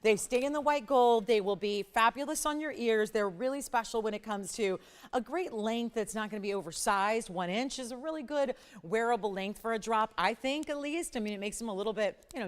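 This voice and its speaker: A woman's voice: medium pitch, clean tone. A woman hosts a live jewelry sales show with a sniffly, slightly scratchy cold in her voice. She talks in a chatty, upbeat way, repeating words for emphasis as she counts prices down. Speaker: shopping channel host.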